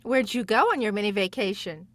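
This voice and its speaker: A woman's voice: medium pitch, fairly quick, no echo. A woman talking casually and reflectively as a guest, offering encouragement. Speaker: guest voice actor and playwright. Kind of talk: casual chat with encouraging advice.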